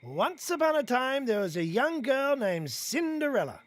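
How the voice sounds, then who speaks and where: Aussie cartoon mum making up a silly bedtime story, super lively swooping voice. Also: female voice, sits high, normal speed. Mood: playful. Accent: Australian. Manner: colloquial, animated. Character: playful, easygoing mother telling a bedtime story. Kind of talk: improvised comic storytelling.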